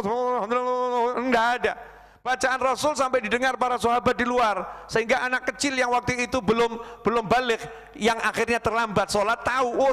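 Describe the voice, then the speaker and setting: Man, preacher, high voice, hushed then emphatic, hall reverb. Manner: drops to hushed murmurs acting out prayers, rises to emphatic shouts. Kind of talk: sermon. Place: mosque hall.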